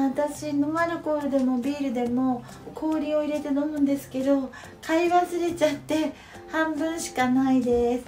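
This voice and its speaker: Against faint background music, a woman speaks in a high pitch at a moderate pace with ordinary pitch variation. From Japan. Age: 50s. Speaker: YouTuber living alone who does handmade crafts and room tours; lifestyle vlogger. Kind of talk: casual talk to camera, vlog. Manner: friendly, chatty, conversational. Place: home room. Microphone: phone near.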